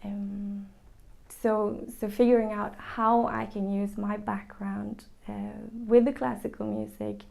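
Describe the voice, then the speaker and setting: A young Norwegian woman from the far north, a musician speaking with a Norwegian accent, answering interview questions thoughtfully and often pausing with ums to find her words. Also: medium pitch, flat delivery, creaky, a little mellow. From northern Norway. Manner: thoughtful, searching for words with many ums and restarts.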